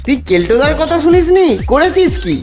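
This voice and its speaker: A woman's voice: high-pitched, big pitch swings, brisk. A woman voicing a crafty young cartoon schoolboy who is coaxing and mock-deferential as he plots revenge. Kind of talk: cartoon voice acting. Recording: music behind the voice. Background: music.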